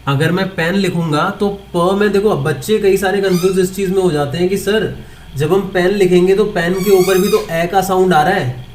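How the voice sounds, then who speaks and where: A man's voice: sits high, slight background noise. A man teaching English grammar online, asking his students questions and answering them himself. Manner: mixes Hindi with English terms, repeats points.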